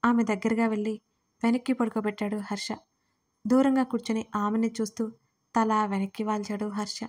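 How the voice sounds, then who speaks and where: A woman narrating a serialized romance audio story in an even, measured reading. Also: a little high.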